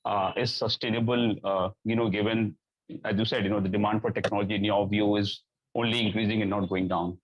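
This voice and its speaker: A man's voice: lowish voice, level tone, brisk, no echo, lo-fi sound. A man asking questions as an analyst on an earnings call, polite, hesitant and roundabout, over a conference line. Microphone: phone or conference call line.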